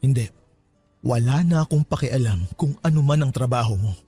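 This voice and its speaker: A man's voice: medium pitch, normal speed, mellow, soft background music, close to an everyday voice. A man playing an earnest, lovestruck young suitor in a radio romance drama, pleading insistently.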